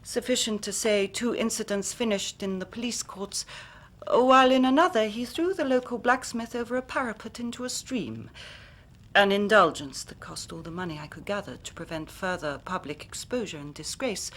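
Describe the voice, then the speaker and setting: Helen Stoner, a woman playing a hushed Victorian lady. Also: fairly high pitch. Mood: grave. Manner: measured formal speech, drops to a hushed whisper. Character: anxious young Victorian woman, grave and formal. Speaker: client telling her story. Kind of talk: period radio drama acting.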